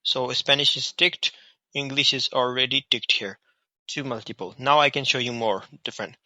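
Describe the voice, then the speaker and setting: A man's voice: mid-range voice, normal speed, sharp tone, dry recording. A man with a South Asian accent giving an informal, instructional app tutorial, often repeating short phrases and checking that the listener follows. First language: Hindi or Urdu. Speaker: app reviewer and tutorial host.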